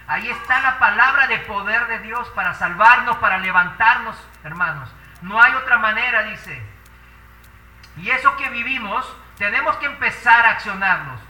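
A man's voice: high voice, animated, normal speed, bright, forceful tone, reverberant, distant mic, low-quality recording. A man preaching a sermon with passion, asking the congregation rhetorical questions.

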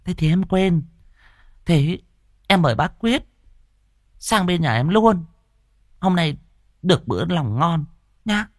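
A man voicing a fat, jealous middle-aged woman who sells tripe porridge, shrill and scolding. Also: animated, takes it slowly, long pauses, no echo, clean studio sound. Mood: sweet.

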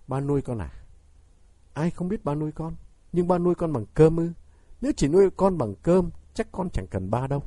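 A man reading a story plays a defiant young man who needles his father with sarcastic questions, in a husky voice. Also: a little high, lively intonation, moderate pace, dark tone, dry recording, pitched above the performer's own voice. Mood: bitter mocking.

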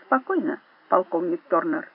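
A woman reader voices a composed, cold-blooded secret agent in an audiobook, speaking quietly with measured, mocking words in a cool mood. Her high voice is husky and breathy, expressive and heavily acted. The audio is narrow and phone-like.

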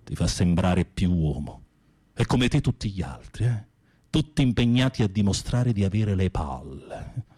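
An actor playing a flamboyant gay male prisoner in a radio drama, a theatrical wounded romantic with a husky, breathy voice. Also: low voice, big pitch swings, unhurried, warm tone, heavily acted. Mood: bitter, confessional. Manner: theatrical, swinging from confiding murmurs to camp exclamations.

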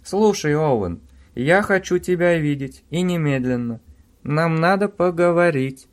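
A man's voice: fairly high pitch, unhurried, voice pushed up, close to an everyday voice. A man voicing a demanding young woman who presses her lover on the phone, insistent and pushy.

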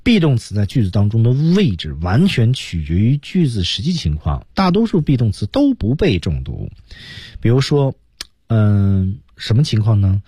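A man's voice: on the low side, huge pitch swings, normal speed, mellow, husky, no echo, clean studio sound. A man teaching English pronunciation on a radio lesson, modelling phrases and chatting with his co-host.

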